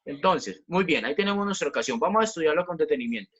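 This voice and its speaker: A man's voice: a little high, lively intonation, quick pace, fairly bright tone, highs cut off. A man teaching a physics class online, explaining step by step, repeating key points and asking the students questions.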